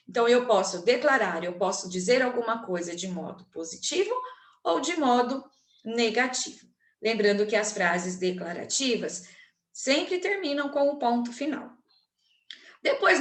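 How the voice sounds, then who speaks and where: A Brazilian woman teacher giving a recorded grammar lesson, explaining slowly and clearly and checking in with her pupils often. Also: on the high side, a bit bright. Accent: Brazilian Portuguese. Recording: echoey room from a distance.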